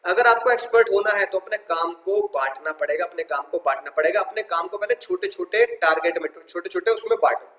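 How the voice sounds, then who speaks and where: Man, lively teacher, repeats key lines, high pitch, echoey room sound. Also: brisk, hardly any pauses. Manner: animated, playful, repeats phrases and calls students "munna". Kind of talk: energetic classroom lecture. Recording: roomy echo.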